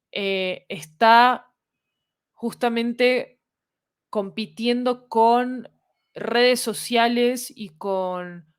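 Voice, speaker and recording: A woman appearing as a guest podcast creator speaks with a Latin American Spanish accent, explaining things casually, thinking aloud and often checking that the listener follows. Her voice is a little high and smooth.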